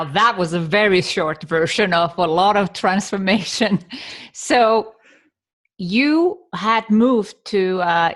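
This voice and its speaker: A middle-aged woman from Iceland hosting a podcast interview in a friendly, conversational way. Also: fairly low pitch. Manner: friendly, conversational, laughs easily. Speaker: podcast host. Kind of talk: casual interview chat.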